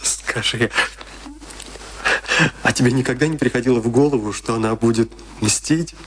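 A man acting as a middle-aged confidant in a radio drama, perplexed and compassionate. His medium-pitched voice is reflective and searching, with an earnest, questioning delivery. There is slight background noise on the recording. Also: moderate pace, natural voice. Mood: troubled, searching. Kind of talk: theatrical radio play dialogue.

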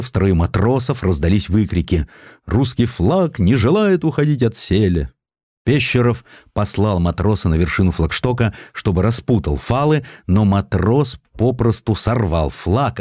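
Low-voiced, animated male storyteller, dry sound. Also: dry recording. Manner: theatrical, storytelling with deliberate pauses. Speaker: audiobook narrator. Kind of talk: dramatic scripted narration of historical stories.

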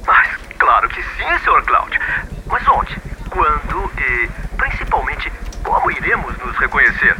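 A man's voice: fairly high pitch, big pitch swings, measured pace. An actor playing a naive, deferential young Brazilian man, eager and nervous, in a radio soap opera. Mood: eager, flustered. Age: young adult. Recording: noisy radio drama recording.

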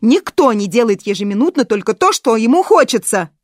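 An irritable stepmother in an audiobook, as a woman reader puts her on. She lectures loudly, her voice raised above the narration, in a dry recording. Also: on the high side, sing-song, a little fast, dry recording, pitched above the performer's own voice. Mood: scolding. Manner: loud, scolding, lecturing. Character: stern young stepmother, irritable, scolding.

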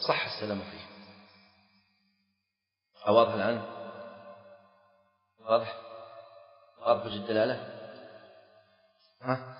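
A man teaching a lesson on a legal text, explaining by repeating key phrases and checking whether the students understand. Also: medium pitch. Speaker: sheikh teaching fiqh. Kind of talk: classroom lecture on a legal text. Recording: echoey lecture hall, dull lo-fi sound.

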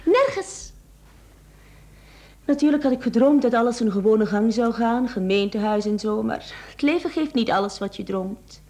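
An actress with a Flemish accent playing a young mistress in a radio play, teasing, coaxing and calculating. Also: female voice, on the high side, animated, normal speed, mellow. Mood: coaxing, determined. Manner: coquettish, teasing.

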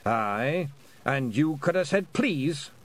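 A gruff, blunt old Scottish piper of ninety-six, as a male narrator puts him on, talking in broad dialect. The voice sits high and loud for an old man and swings up and down with great life. He scolds and lectures without mincing words. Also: expressive, slow pace. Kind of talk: audiobook character voice.

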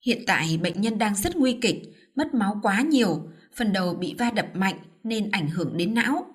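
Brief: woman voicing a grave hospital nurse, measured, breathy. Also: medium pitch, animated. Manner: measured, formal. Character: composed female nurse, grave and formal.

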